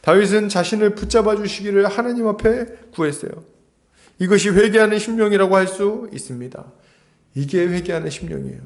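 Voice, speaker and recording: Pastor guy preaching, high voice, acts out bible scenes, keeps asking the crowd questions. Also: brisk. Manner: rhetorical questions to the congregation. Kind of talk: expository sermon.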